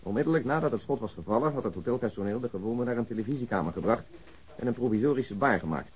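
An actor playing a wry, matter-of-fact police detective in a Dutch radio crime drama, briefing in an orderly way. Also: male voice, mid-range voice, lively intonation, fast talker, lightly acted, poor audio. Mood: formal, measured.

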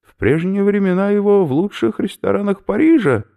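A man's voice: high-pitched, expressive, fairly quick, creaky, warm tone, voice pushed up. A man voicing a pedantic elderly male professor who lectures in a genteel, pompous way. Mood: lecturing.

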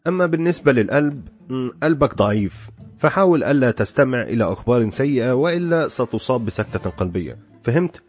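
A man's voice: medium pitch, animated, quick pace, darkish tone, husky, pitched above the performer's own voice. A man voicing a sardonic, blunt male doctor with an Egyptian accent, mocking and matter-of-fact. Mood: clinical. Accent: Egyptian Arabic. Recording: dull lo-fi with faint music.

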